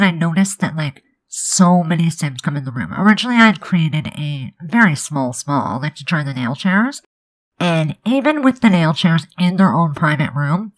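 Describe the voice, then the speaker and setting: A woman's voice: sits low, rough recording. A young woman with a nasal, stuffed-up voice from allergies, chatting loosely with lots of fillers over a game building video. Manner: rambling, chatty, many fillers. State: congested from allergies. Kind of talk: casual speed build voice-over.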